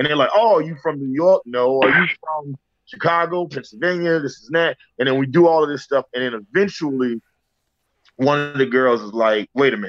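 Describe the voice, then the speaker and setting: Fairly quick speech from a man at a fairly high pitch, with ordinary pitch variation. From US South, New Orleans, Louisiana. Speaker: podcast host. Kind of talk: casual chat. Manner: animated, halting with fillers.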